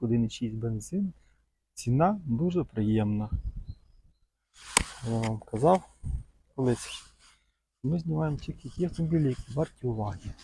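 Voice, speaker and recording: Male vlogger, mellow gravelly tone, loose rambling car-lot commentary recorded outdoors. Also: mid-range voice, a little hiss or hum, low-quality recording. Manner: chatty, fond of diminutives, loose and rambling. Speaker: vlogger showing cars for sale. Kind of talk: casual walk-around commentary.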